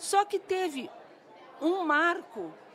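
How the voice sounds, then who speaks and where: A woman is speaking. Crowd noise can be heard in the background. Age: 60s. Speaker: cancer patient in remission. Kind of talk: testimony. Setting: congress, live podcast.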